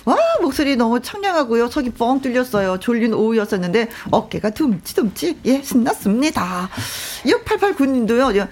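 A middle-aged woman hosting a radio show, reading listener texts with lively, frequent laughter. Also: fairly high pitch, normal speed, hardly any pauses. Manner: bright, lively, laughs often. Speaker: radio host. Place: radio studio.

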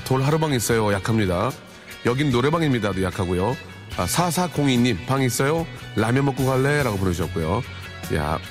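Lively chatty male radio host. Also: lowish voice. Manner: lively, chatty, reads messages aloud with wry reactions. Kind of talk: casual on-air chat reading listener messages.

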